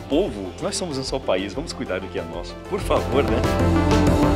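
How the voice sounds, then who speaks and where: A man talks at a fairly slow pace. Loud music plays in the background. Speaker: travel vlogger. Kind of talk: casual vlog chat. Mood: earnest appeal, then touristic explaining. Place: waterside. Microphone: phone near.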